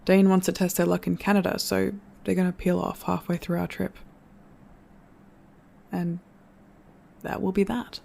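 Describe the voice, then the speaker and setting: An actor playing a reflective storyteller in an audio drama, giving an earnest, measured farewell address to listeners. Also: medium pitch, flat delivery, creaky, darkish tone. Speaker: narrator.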